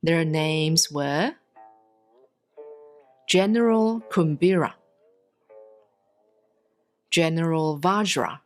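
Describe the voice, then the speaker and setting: Woman, lowish voice, solemn sutra recitation, deliberate pauses, soft instrumental music behind. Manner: measured, deliberate enunciation with long pauses. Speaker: Buddhist nun reading scripture aloud. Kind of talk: solemn scripted sutra reading.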